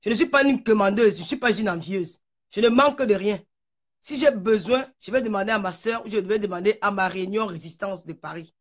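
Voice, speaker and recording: A social media personality with a mid-range voice rants briskly in a heated online video. Furious and shaking with anger, she hurls insults and stammers over repeated words.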